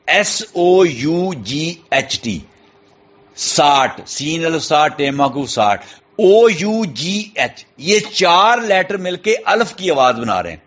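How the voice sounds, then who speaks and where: A male teacher with a Pakistani Urdu accent explains English spelling patterns, slowly spelling out each word letter by letter and repeating the main point. His voice sits somewhat high for a man. The recording is dull and muffled, with a lo-fi sound. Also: fairly bright tone. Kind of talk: classroom lesson explanation.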